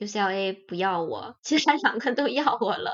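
A woman speaks at a medium pitch. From China. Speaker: social worker, podcast host. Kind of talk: casual chat.

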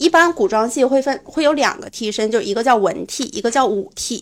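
This woman's voice sits high and moves through very wide pitch swings. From Jilin, northeast China. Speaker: listener. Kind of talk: casual chat. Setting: live audience event.

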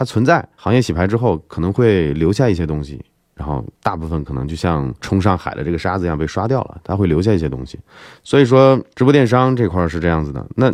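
Against a quiet background, a man with a very deep, low pitch talks at a fairly quick pace with very wide pitch swings. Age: 30s. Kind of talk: casual monologue.

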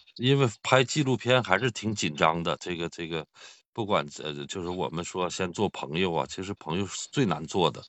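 A man with a very deep, low voice speaks at a moderate pace with lively intonation. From Heilongjiang, northeast China. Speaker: documentary director. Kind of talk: casual chat. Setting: online audio room.

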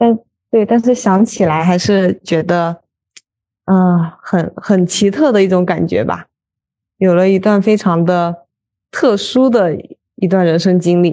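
A woman's medium-pitched, dark, mellow voice at a fairly slow pace, in very even loudness, with ordinary pitch variation and long, frequent pauses. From Anhui, China. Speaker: guest. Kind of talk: casual interview chat.

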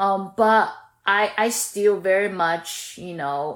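A woman with a Chinese accent, medium pitch and fairly even intonation on a very clean recording with a silent background. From China, Chongqing. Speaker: food entrepreneur. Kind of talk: interview.

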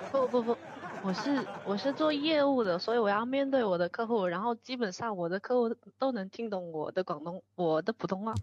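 Against crowd noise in the background, the voice moves at a fairly quick pace with lively intonation. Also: woman, fairly high pitch for a woman. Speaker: caller, sales worker. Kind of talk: casual chat. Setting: live-stream call-in.

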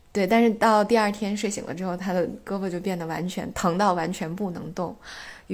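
A woman speaks in a plain, everyday voice. She is medium in pitch and talks at a fairly quick pace. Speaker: podcast host, mother. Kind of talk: casual monologue.

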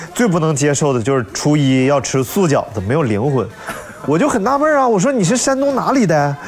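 Over noticeable background noise, a man with a fairly high pitch and an animated tone makes very wide pitch swings while his loudness stays very even. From Shanxi, China. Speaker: podcast host. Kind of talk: casual chat. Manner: animated, frequent laughter.

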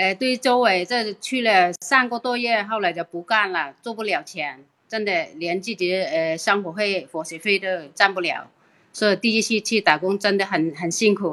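A bright, sharp tone with a Cantonese accent comes through at a moderate pace. The pitch varies in an ordinary way. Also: woman, medium pitch for a woman. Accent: poor Mandarin, Cantonese-region. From Gaozhou, Maoming, Guangdong. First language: local Guangdong dialect (speaking Chinese). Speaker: migrant worker. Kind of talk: interview. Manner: halting.

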